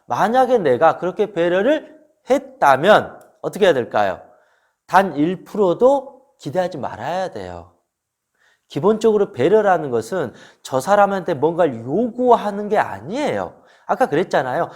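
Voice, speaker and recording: Guy lecturing on relationships, high voice, asks lots of rhetorical questions. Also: big pitch swings, moderate pace, a little mellow. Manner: emphatic, didactic, poses rhetorical questions. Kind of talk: spoken lecture to camera.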